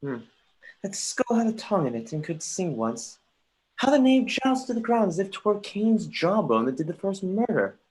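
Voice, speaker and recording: A woman's voice: medium pitch, sing-song, normal speed, a little mellow, husky, low-quality recording. A brooding young prince, acted by a woman in a Shakespeare play reading. The delivery is musing and sardonic, witty, and built on rhetorical questions.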